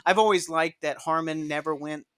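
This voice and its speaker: A man's voice: a little high, fairly even intonation, normal speed, fairly bright tone. A man hosting a podcast, chatting casually and rambling with fillers and frequent laughs. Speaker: podcast host. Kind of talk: casual chat.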